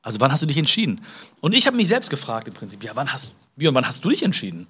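A man's voice: medium pitch, huge pitch swings, fast, sharp tone, husky. A man from Germany talks through a casual self-help podcast, speaking directly to the listener. His voice sits in an ordinary middle range. He hesitates and restarts often, filling gaps with small sounds and tag questions. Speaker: podcast host.

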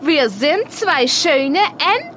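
A woman's voice: high voice, sing-song, takes it slowly, fairly bright tone, soft background music, full character voice. An actress playing a mischievous young witch girl chanting spells in a children's audio drama. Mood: playful chanting. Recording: faintly noisy old audio drama.

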